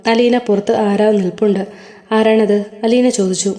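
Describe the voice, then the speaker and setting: A woman narrating a serialized novel in a calm, steady storybook reading. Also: mid-range voice, moderate pace.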